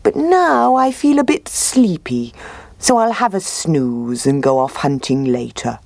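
A lazy, good-natured brown bear, as a woman narrator puts him on, slow and cheerful in the way he talks. The voice sits close and dry, with lively rises in pitch. He sounds easygoing and happy to help. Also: gravelly, dry recording, exaggerated voice.

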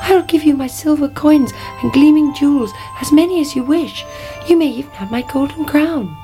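A woman's voice: high voice, moderate pace, dark tone, faint music behind. A woman voicing a young princess in a fairy tale, pleading eagerly.

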